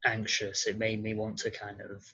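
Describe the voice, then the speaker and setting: A young British man answering interview questions casually, in a hesitant, halting way with repeated starts. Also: on the low side, completely flat delivery, bright, forceful tone, husky, muffled recording. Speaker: interview guest.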